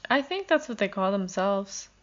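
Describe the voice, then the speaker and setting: A woman's voice: mid-range voice, sing-song, moderate pace, muffled recording. A woman co-hosting a podcast, chiming in with brief, supportive remarks in casual talk. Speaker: podcast co-host. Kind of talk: casual chat.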